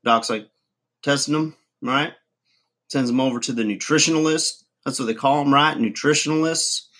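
A folksy redneck guru rambles through a comic advice show, as a man plays him. He chuckles, trails off and mangles big words. His voice sits at an everyday middle pitch. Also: normal speed, a bit bright, natural voice. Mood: boastful rambling. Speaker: comedy channel host. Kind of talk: comic monologue to camera.

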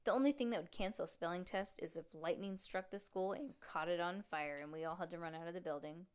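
A woman's voice: fairly low pitch, fast talker, natural voice. A woman voicing a skeptical, sarcastic schoolboy who wisecracks to classmates in a children's storybook. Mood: scoffing.

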